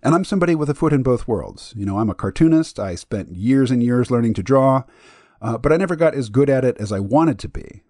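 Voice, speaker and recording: A man's voice: mid-range voice, lively intonation, a little fast, dark tone, no echo, studio quality. A man hosting his own podcast, talking through his ideas in a thoughtful, explanatory solo monologue. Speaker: podcast host.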